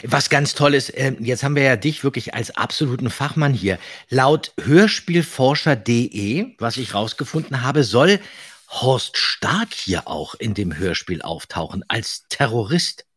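A man's voice: mid-range voice, lively intonation, measured pace, a bit bright, breathy edge, dry recording, clean studio sound. A man co-hosting a podcast in casual chat, talking with keen enthusiasm and telling anecdotes. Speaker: podcast co-host.

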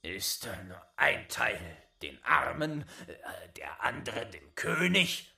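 A man voicing a huge, fearsome old man with a long white beard, speaking slowly and gruffly in a storybook reading. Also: medium pitch, very animated, sharp tone, full character voice. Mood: grudging. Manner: slow, menacing and gruff.

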